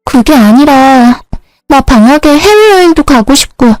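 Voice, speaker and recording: A woman voicing a younger sister, a young woman who pleads in a high, whiny voice. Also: animated, unhurried, darkish tone, no room sound, soft background music, rough recording. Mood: pleading.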